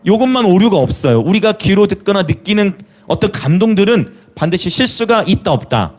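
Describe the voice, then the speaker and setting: Preacher guy, highish voice that jumps around a lot, tosses questions at the crowd. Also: a little fast. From Jeolla, South Korea. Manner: lively preaching with rhetorical questions and hallelujahs; chuckles between remarks. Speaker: pastor. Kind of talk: sermon.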